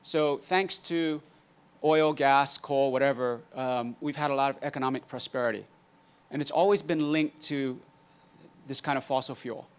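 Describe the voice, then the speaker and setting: Fields: Sex: man. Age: 50s. Origin: Hawaii. Role: guest speaker at a master class. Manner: relaxed and dry-humored, many ums. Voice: smooth. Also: medium pitch. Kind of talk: conference master class talk.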